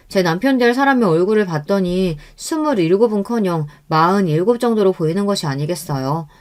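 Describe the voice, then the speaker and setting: A woman tells a first-person story in calm, even scripted narration. Her voice is mid-pitched and steady.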